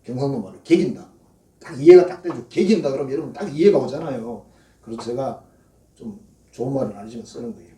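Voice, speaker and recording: In a church sanctuary, a male pastor preaches a sermon in folksy storytelling style, mocking the prayers he quotes by acting them out. His medium-pitched voice is fast and mellow, heard from a distance in an echoey hall.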